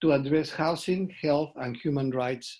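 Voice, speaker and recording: A man's fairly high voice with a non-native accent, ordinary pitch variation and a moderate pace. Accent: non-native accent, self-noted. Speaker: physician and forum host. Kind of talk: panel introduction at online forum. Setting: video call. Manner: halting, many fillers.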